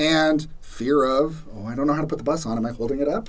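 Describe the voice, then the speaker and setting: In an American accent, a man speaks at a fairly high pitch and a moderate pace. He has a plain, everyday voice. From US, Salt Lake City, Utah. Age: 30s. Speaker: transit advocacy group director. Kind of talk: casual interview. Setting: studio.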